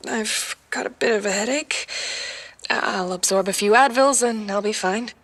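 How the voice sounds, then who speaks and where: A woman's voice: mid-range voice, normal speed, fairly bright tone, dry recording. A woman playing a weary, defeated single mother in her thirties in an audio drama, resigned, hesitant and defensive. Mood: uneasy, hesitant. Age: 30s. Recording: music under the voice.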